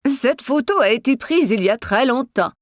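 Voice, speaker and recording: A woman voicing a kind, nostalgic grandmother in a children's cartoon, gentle and encouraging. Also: on the high side, lively intonation, normal speed, no room sound, studio quality, natural voice.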